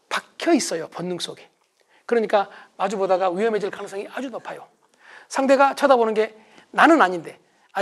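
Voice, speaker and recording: A middle-aged man giving a motivational lecture to an audience, acting out quarrels in a raised voice. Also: sits high. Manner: animated, acts out quarrels in raised voice.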